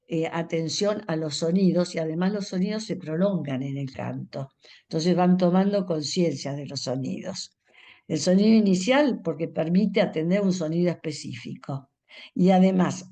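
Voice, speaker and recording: An older woman gives a lecture to teachers. She explains step by step, often pausing on fillers, and draws out single speech sounds to demonstrate them. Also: on the low side, mellow. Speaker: reading education specialist speaking to teachers.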